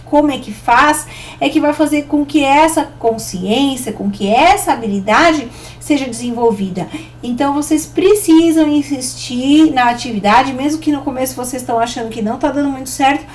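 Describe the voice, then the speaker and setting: A woman teacher giving a recorded online lesson, explaining patiently and slowing down to sound out example words. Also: high voice, distant mic, rough recording.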